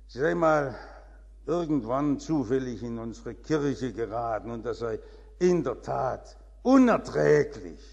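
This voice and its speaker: A man preaching a sermon in slow, emphatic phrases with dramatic swings in pitch. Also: vocal fry, darkish tone, slightly rough. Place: church. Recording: long church reverb.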